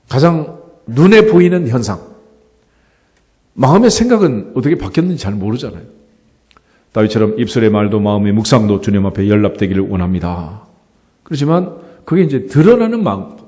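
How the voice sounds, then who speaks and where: A middle-aged male pastor preaching a sermon in a lively, conversational way, often asking the congregation rhetorical questions. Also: on the low side, a little fast, pauses often. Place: church sanctuary. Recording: church hall with long reverb.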